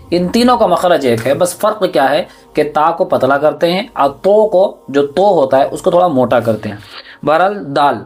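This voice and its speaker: A man teaching Quran letter pronunciation, explaining where each sound is made and repeating every letter sound slowly several times. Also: fairly high pitch.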